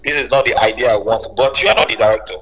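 Bright-voiced man in a very reverberant space. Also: medium pitch, rapid-fire. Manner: emphatic, repeats phrases for stress. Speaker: musician guest. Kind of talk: interview conversation. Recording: reverberant room with long echo.

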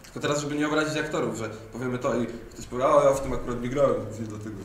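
A man's voice: mid-range voice, steady tone, very fast. A young man chatting casually and jokingly as a co-host, irreverent and given to swearing. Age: young adult. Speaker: co-host promoting audio dramas. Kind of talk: casual jokey chat. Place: indoor green-screen studio at a table. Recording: roomy, distant mic with background noise.

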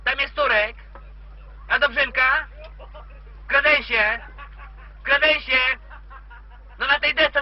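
A man's voice: very high-pitched, exaggerated voice. An actor playing a grown mummy's boy fussing at his mother over the phone in a cabaret sketch. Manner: fussy, repeating himself, nagging down the line. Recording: dull lo-fi recording.

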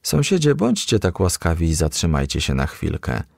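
A man voicing a kind, frank female advisor in a storybook, coaxing and gently admonishing. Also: deep voice, wildly swooping pitch, moderate pace, creaky, no echo, studio quality, exaggerated voice. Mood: frank, chiding.

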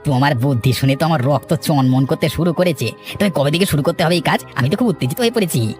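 A man's voice: on the high side, expressive, fast, darkish tone, soft background music, lightly acted. A man voicing a two-faced, ambitious cartoon villager, sly and eager, who swindles his neighbours. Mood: eager, scheming. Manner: smooth-talking, sly, eager. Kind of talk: dramatic cartoon voice acting.

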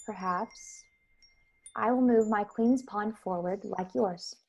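A young woman acting a composed, devoted lower-caste starship attendant in a radio play, measured and formal in both dialogue and narration. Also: creaky, a little mellow, husky, exaggerated voice. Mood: calm, deferential. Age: young adult. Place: bedroom, over a video call.

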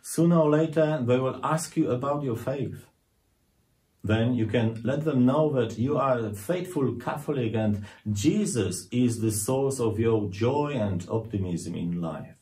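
A middle-aged man, a Catholic priest, delivering a scripted homily to camera in a measured, earnest, deliberate way. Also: mid-range voice, animated, darkish tone.

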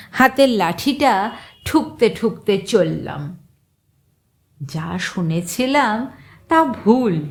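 Woman reading a story real slow, steady, mid-pitched voice, pushes up on key words. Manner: measured and expressive, rising on key words. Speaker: story reader. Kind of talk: first-person story narration.

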